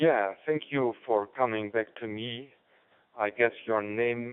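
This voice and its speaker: In a German accent, a man speaks at a very slow pace with fairly even intonation and a fairly low pitch. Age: 60s. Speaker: amateur radio operator. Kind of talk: ham radio roundtable chat. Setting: radio transmission. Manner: halting.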